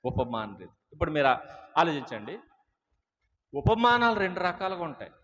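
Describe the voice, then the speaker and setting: Male pastor, fairly high, forceful delivery, preaching from a podium on a stage mic, quizzing the congregation, hall reverb trailing every phrase. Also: very animated, moderate pace, lo-fi sound. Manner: rhetorical questions to the congregation. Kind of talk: sermon. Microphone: stage microphone.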